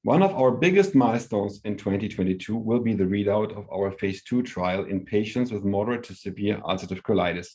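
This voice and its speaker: A man giving a prepared company update on an earnings call as an executive, formal and measured in his phrasing. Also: fairly low pitch, lively intonation, a little mellow.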